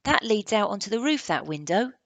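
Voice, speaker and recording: A woman's voice: medium pitch, very animated, fairly quick, a bit bright, dry recording, voice pushed up. A woman voicing a boy in fancy dress who gives urgent, bossy calls.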